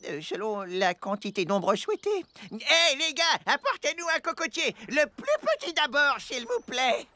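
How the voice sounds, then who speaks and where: Wildly swooping cartoon inventor. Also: male voice, extremely high pitch, very animated, moderate pace, noisy background. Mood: sheepish. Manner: hesitant, wordy, formal. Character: small, eager, apologetic cartoon inventor and gardener. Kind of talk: children's cartoon dub acting. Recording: music behind the voice.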